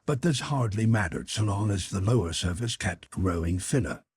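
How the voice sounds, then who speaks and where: A man's voice: fairly low pitch, lively intonation, moderate pace, slightly rough, no echo. A man reading a classic novel aloud as a scripted audiobook narration.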